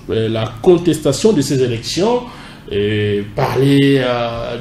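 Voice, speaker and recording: A male TV host with a Congolese French accent, introducing and questioning a guest in an animated way and switching into Lingala. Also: mid-range voice. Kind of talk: TV interview. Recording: echoey studio, faint noise.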